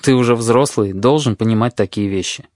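A man voicing a tired older male caretaker who talks calmly and quietly firmly. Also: mid-range voice, brisk, dry recording, studio quality, close to an everyday voice. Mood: weary. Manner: calm, weary, quietly firm.

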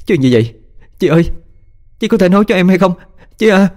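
A man's voice: sits high, lively intonation, brisk, a little mellow, soft background music, voice pushed up. A man voicing a frightened young woman who cries and pleads for her sister. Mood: anguished cries.

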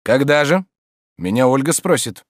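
A man voicing an energetic, loyal friend who presses urgently and insistently, in an audiobook reading. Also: medium pitch, moderate pace, no echo, clean studio sound, pitched above the performer's own voice, close to an everyday voice.

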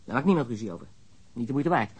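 An actor in a radio drama playing a smuggler who confesses under police questioning, frank and matter-of-fact. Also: male voice, medium pitch, animated, fast talker, husky, rough recording. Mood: brazen. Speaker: suspect.

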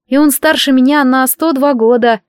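A woman's voice: sits high, moderate pace, smooth, no room sound, pitched above the performer's own voice, lightly acted. A young black witch, blunt and exasperated, who snaps out short, emphatic lines in a raised voice, as a woman reads her in an audiobook. The sound is close and dry. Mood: resigned.

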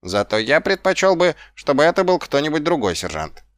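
A man's voice: a little fast, dry recording. A man reading an audiobook, voicing a scruffy, sly, workshy male corporal in a raised voice. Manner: higher, lively, wheedling. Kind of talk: audiobook character voice.

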